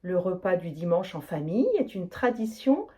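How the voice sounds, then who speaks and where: Lively, clear-spoken woman teaching French. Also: lowish voice. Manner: clear, deliberate, carefully articulated delivery. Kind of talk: teaching, reading practice answers.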